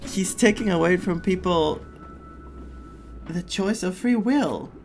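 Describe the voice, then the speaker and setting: A man's voice: sits high, takes it slowly, darkish tone. A man giving casual, opinionated reaction commentary on a story game, emotionally invested in what he watches. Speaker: game streamer. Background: faint game music.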